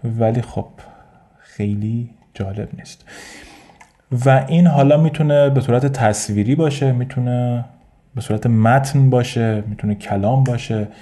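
A man's voice: mid-range voice, dark tone. A man hosting a casual solo podcast with a Persian accent, thinking aloud in a rambling way with frequent fillers and restarts. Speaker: podcast host.

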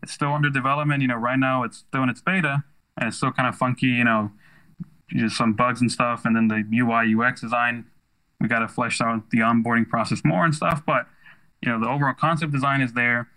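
A man's voice: medium pitch, steady tone, a little fast, pushed and bright, poor audio. An American man giving casual, enthusiastic and emphatic explanations as an interview guest, often adding "you know". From United States. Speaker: tech startup founder, interview guest.

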